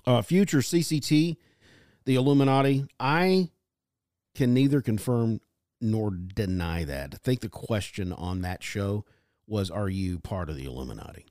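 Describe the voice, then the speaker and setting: A man's voice: fairly low pitch, animated, a little mellow, dry recording. A man co-hosting a casual podcast, stumbling through listener messages and joking that he can't read. His voice rises and falls a lot as he goes. The sound is dry and close. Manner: reads haltingly, jokes about being unable to read. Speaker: podcast co-host. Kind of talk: casual chat reading listener comments.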